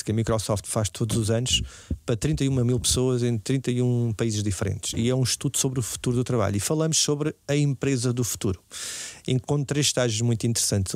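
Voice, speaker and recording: Male interview guest, European Portuguese accent, tech executive explaining at a brisk clip, dry sound. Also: medium pitch, a little mellow, no room sound. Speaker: podcast guest, technology executive. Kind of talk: conversational interview answers.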